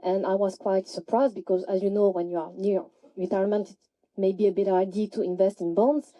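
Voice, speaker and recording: A woman asks a question from the audience at a conference. Her voice is very mellow and dark, at an average pitch. She speaks politely and conversationally. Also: little pitch movement, brisk, rough recording. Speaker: audience member asking a question.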